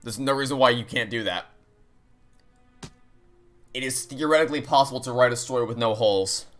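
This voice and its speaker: A man giving live playthrough commentary at a middle pitch, talking through his thoughts in an explanatory, analytical manner. Game music plays clearly behind his voice. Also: brisk, fairly bright tone. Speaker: game streamer. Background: video game music and sounds.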